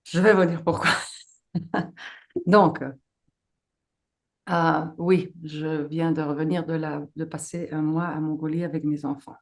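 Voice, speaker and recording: A middle-aged woman, a non-native speaker with a foreign accent, giving an informal webinar talk as a guest and haltingly searching for her words. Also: sits low, level tone. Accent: foreign accent in French. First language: not French.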